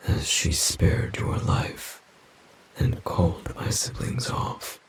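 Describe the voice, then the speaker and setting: A man playing an ancient, solemn forest demon guardian in an audio roleplay, speaking formally and gravely in a gravelly, breathy, husky whisper. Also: low voice, a little mellow, heavily acted, poor audio. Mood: grave reproach. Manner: slow, formal, grave, measured.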